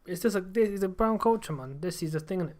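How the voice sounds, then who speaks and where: A man's voice: high-pitched, expressive. A man hosting a podcast, chatting casually with an insistent, slangy way of arguing his point. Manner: fast, insistent, slangy, says "bro" and "innit". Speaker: podcast host. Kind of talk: casual chat.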